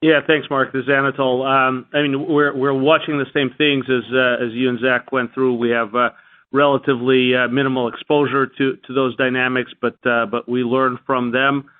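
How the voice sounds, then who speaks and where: A man answers as an executive on an earnings call, his delivery measured and halting. His pitch stays very even, and the sound is dry and tinny, squeezed through a phone line. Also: no room sound. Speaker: company executive answering analysts.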